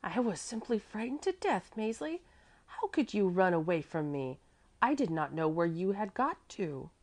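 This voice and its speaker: A fretful woman looking after a child in a children's tale, acted out by a woman reader. She fusses and scolds in a flustered way, her pitch leaping up and down. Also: very animated, normal speed. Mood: relieved, scolding. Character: anxious, fretful woman minding a little girl. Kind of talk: children's storybook character voice.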